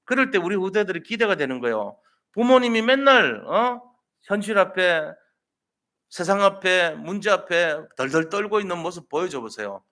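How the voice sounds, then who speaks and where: A middle-aged man preaches a Sunday sermon, his voice set a little high and swinging widely up and down. He acts out quoted exchanges as he goes, in an animated pulpit delivery. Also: moderate pace. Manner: animated preaching, acting out God's voice in quoted dialogue. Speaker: pastor.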